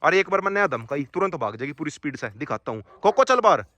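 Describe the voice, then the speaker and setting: A man, talking casually to his viewers while he walks his dog farm and shouts to his dogs. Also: fairly high pitch, big pitch swings, fast talker, dry recording. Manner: calls out loudly to his dogs. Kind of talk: casual vlog commentary.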